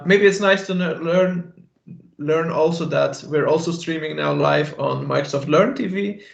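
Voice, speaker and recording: A man hosting a live online talk, introducing the guest in an informal, halting way. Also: on the high side, gravelly. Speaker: host. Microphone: video call. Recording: roomy, dull online call audio.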